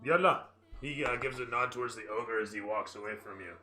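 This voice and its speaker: Male game master, casual emphatic narration, bright tone, roomy recording. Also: lowish voice, steady tone, fast. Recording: roomy, music behind.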